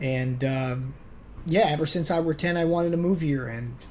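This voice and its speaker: A man's voice comes through somewhat breathy. It sits fairly high in pitch. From Serbia. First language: Serbian. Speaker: vlogger. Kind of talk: casual vlog monologue.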